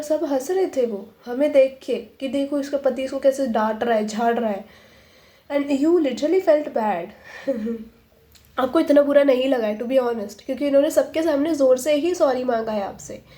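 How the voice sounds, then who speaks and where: A woman's voice: high voice, dark tone, echoey room. A woman giving a casual tarot reading, chatty and often checking in with the listener, acting out imagined dialogue between a couple. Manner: acts out imagined dialogue, switching voices for each side. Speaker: tarot reader. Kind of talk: casual intuitive reading to camera.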